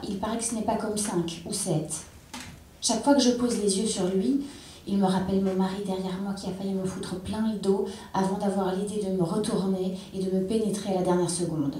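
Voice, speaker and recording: A woman giving an intense, measured literary reading on a theatre stage. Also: mid-range voice, warm tone. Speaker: reader. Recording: echoey hall, distant mic.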